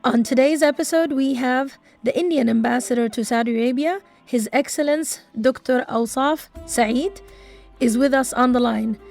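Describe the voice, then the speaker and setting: A woman's voice: high voice, normal speed, creaky, a little mellow, soft background music. A woman hosting a radio interview, asking friendly, informal questions. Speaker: radio host.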